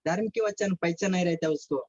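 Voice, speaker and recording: A man's voice: sits high, a little fast, darkish tone. A man preaching a sermon over a video call, repeating phrases, asking his listeners questions and mixing in English words. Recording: dull lo-fi call audio.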